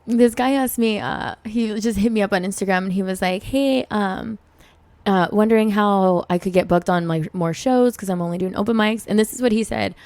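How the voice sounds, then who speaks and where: A young adult woman comedian chatting casually on a podcast, animated and quick to laugh, with a loud voice. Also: mid-range voice, no room sound. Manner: animated, laughs often, acts out quoted replies. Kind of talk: casual chat.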